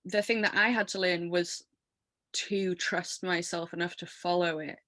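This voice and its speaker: A woman in her thirties with an English accent and a low, smoky voice, talking casually and animatedly as an interview guest, laughing often and filling with "like". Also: steady tone, unhurried, fairly bright tone, dry recording. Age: 30s. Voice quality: low voice from years of smoking. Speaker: musician guest.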